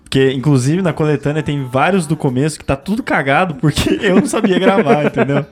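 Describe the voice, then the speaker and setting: A man's voice: on the high side, a little fast. A man with a Brazilian accent, a regular podcast co-host, chatting in a laid-back, self-mocking way. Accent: Brazilian Portuguese. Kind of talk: casual podcast chat.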